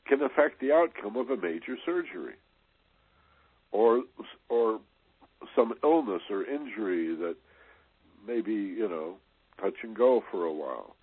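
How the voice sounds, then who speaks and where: A man's voice: medium pitch, husky, dry recording. A man hosting a motivational radio talk, chatting conversationally and often dropping in "you know" and "right?". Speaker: radio host. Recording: tinny, dry, band-limited radio sound.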